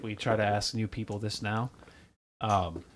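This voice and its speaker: This man in his thirties hosts a loose, joking talk show among friends. He laughs easily and talks in a relaxed, offhand way. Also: fairly low pitch, measured pace. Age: 30s. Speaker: podcast host. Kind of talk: casual chat.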